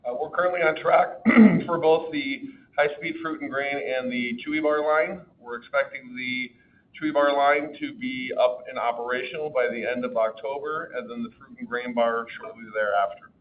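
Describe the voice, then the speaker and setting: A man's voice: medium pitch, steady tone, moderate pace. A man answering business questions as a company executive, matter-of-fact. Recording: narrow, phone-like line.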